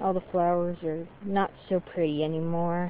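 A woman's fairly low voice in monotone, flat intonation, with dry sound, no echo, and light background noise. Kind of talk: casual vlog chat. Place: garden. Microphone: phone near.

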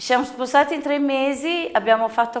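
A woman speaks against a quiet background. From Apulia, Cassano delle Murge; Apulia, Italy. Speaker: Italian community organizer; guest. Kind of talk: interview. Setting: studio. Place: studio.

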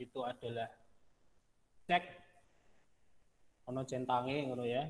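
A man speaks with a Javanese accent. His pitch sits in the medium range. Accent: Javanese accent in Indonesian. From Java, Indonesia. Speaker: university lecturer. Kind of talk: lecture. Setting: online class with screen share. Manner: casual, with filler words. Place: home room. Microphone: webcam.

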